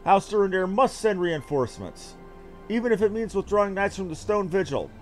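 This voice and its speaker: A stern fantasy knight officer, voiced by a man, worried and formal. His speech is emphatic and swings in pitch, sitting fairly high for a male voice, with faint game music behind. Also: expressive, brisk. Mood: grave, urgent. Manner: formal, emphatic, archaic phrasing. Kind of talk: reading game dialogue in character.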